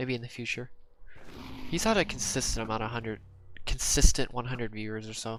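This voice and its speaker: Very fast and in a monotone, flat delivery, a man talks at a medium pitch. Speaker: video game streamer. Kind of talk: casual livestream chat. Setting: live stream. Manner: can talk fast when needed, usually not.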